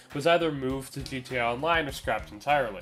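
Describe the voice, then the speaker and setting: Over music in the background, a man speaks very fast at a fairly high pitch with ordinary pitch variation. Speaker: gaming YouTuber and streamer. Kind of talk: gaming video essay narration.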